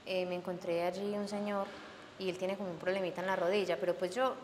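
A woman's voice: lowish voice, little pitch movement, fast talker, long reverb tail, slight background noise. A young woman in a staged drama, speaking politely and apologetically to a doctor in a clinic office. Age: young adult. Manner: polite, apologetic, soft-spoken. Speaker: job applicant helping a stranger.

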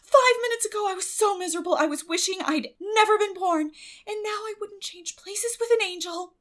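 Storybook orphan girl, high-pitched, dramatic, gushing, flowery, imaginative. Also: moderate pace, fairly bright tone. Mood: elated.

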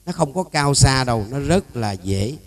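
A Buddhist monk, a man, preaches with strong emphasis. His delivery jumps between loud, pressing lines and quieter asides, and he often puts rhetorical questions to his listeners. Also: mid-range voice, animated, normal speed. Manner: swings widely between loud and soft. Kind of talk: Buddhist dharma talk.

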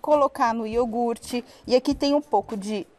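A woman's voice: fairly high pitch, moderate pace, a little mellow. Enthusiastic woman explaining food on TV. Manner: enthusiastic explaining, addresses viewers as "gente". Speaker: cooking guest presenting cocoa recipes. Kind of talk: live TV cooking segment. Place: TV studio set with kitchen table. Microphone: lapel mic.

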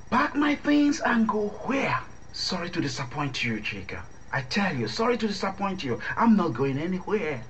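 A man's voice: high-pitched, highs cut off, slight background noise. A man playing a defensive, sarcastic young boyfriend in a radio drama, with an argumentative manner. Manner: indignant, sarcastic.

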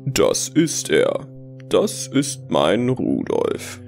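A man's voice: low voice, huge pitch swings, drawn-out words, gravelly, darkish tone, full character voice. A man playing a proud, delusional Santa in an audio horror drama, theatrically friendly and insistent. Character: delusional, affable, proud self-believed real Santa man. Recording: music behind the voice.

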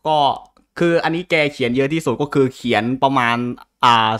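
A man's voice: medium pitch, a little fast, fairly bright tone. A man explaining things in casual chat as a co-host, hesitant and often repeating his words.

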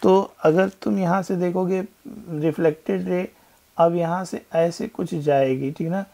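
A male physics tutor talking through an exam question step by step, switching between Hindi and English and slowly rereading the question text. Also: high voice, steady tone, vocal fry, mellow, rough recording. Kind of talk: whiteboard exam-problem walkthrough. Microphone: voice-over on a screen recording.

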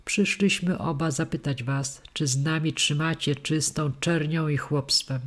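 A man's voice: a little high, steady tone, a little slow, fairly bright tone. Proud young noble voiced by a male narrator, haughty, demanding, audiobook.

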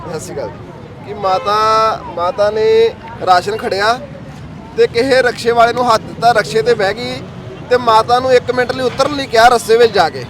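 A man volunteering at a ration handout, gently comforting an elderly woman and speaking to viewers. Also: very high voice, a little fast. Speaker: charity volunteer handing out rations. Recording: crowd and traffic noise outdoors.

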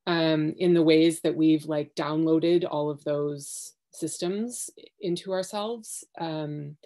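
A woman in her thirties sharing her thoughts on a video call from home, halting and searching for words, with many fillers and restarts. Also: low voice, mellow. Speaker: workshop participant. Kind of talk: hesitant reflective sharing. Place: home living room.

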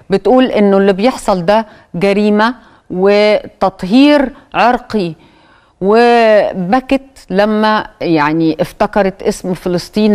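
A woman's voice: mid-range voice, darkish tone. A woman with an Egyptian accent hosting a TV talk show, commenting on clips with hesitant fillers. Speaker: TV host.

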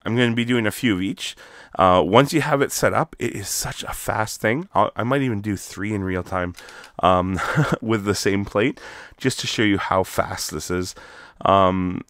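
Low, dry-sounding man still a bit rough from a cold, chatting casually through a hands-on craft demo. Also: normal speed, dry recording. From Canada. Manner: relaxed, chatty, many ums. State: recovering from illness, voice still rough. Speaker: craft video host.

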